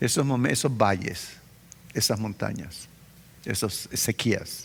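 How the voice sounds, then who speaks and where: A man's voice shows vocal fry. His intonation is lively. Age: 60s. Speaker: pastor. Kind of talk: bible study lecture. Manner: halting, many restarts.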